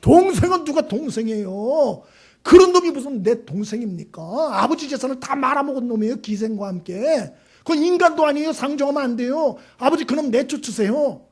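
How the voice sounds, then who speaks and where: A man, a pastor, acting out an elder son from a parable in his sermon, with a husky voice. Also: extremely high pitch, animated, fairly quick, exaggerated voice. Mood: indignant. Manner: indignant, then soft and reassuring. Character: resentful grown elder son, later dutiful.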